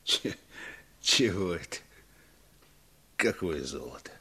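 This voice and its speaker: An actor playing a wary, stubborn village blacksmith in a Russian radio drama, gruff and muttering. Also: male voice, sits low, lively intonation, takes it slowly, sharp tone, heavily acted. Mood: gruff defiance.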